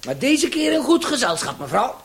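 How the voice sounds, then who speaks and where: An actor playing a wry petty thief with a creaky voice, chiming in as a sidekick in a Dutch radio play. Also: male voice, extremely high pitch, very animated, moderate pace, full character voice. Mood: prompting. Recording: hissy old radio play recording with clicks.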